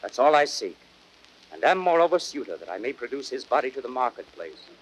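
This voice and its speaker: A man's voice: medium pitch, sing-song, slightly rough. An actor playing a Roman nobleman, a grieving and vengeful orator, in declamatory verse in a 1930s radio Shakespeare style. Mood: solemn, restrained. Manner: declamatory, theatrical, measured verse delivery. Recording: noisy old 1930s radio broadcast recording.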